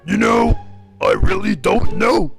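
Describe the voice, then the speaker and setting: Here is a chirpy talking janitor broom from a homemade cartoon, voiced by a man. The voice is thick with gravel and sits a little high, and it drawls slowly as it chants about sweeping. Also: huge pitch swings, over music, heavily acted. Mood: chatty. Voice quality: gravelly, Yoda-like voice. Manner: sing-song, repeats "sweep". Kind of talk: amateur animation voice acting.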